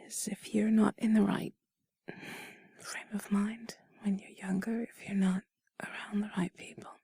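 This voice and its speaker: A woman doing an intimate whispered role-play in a soft, breathy, sultry and soothing voice, speaking slowly and deliberately, close to the mic. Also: medium pitch, little pitch movement, dry recording. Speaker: intimate audio narrator. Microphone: close mic, dry.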